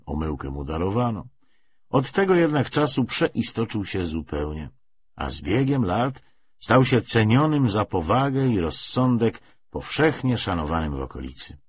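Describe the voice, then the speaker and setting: A man narrating a literary audiobook in a measured, dramatized reading style. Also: lowish voice, husky, dry recording. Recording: slightly dull, muffled recording.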